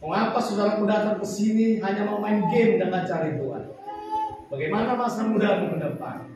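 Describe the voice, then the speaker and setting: High-voiced preaching man in echoey church. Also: brisk, faint music behind. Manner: emphatic preaching, swinging between loud, sing-song lines and low, quiet ones. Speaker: pastor. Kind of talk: sermon. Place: church sanctuary. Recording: very echoey hall, voice far from the mic.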